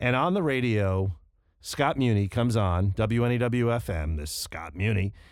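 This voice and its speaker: A man with an American accent speaks in a normal speaking voice, fairly low in pitch with ordinary pitch variation, on a very clean recording with a silent background. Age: 50s. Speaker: podcast host and former radio worker. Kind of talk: interview conversation.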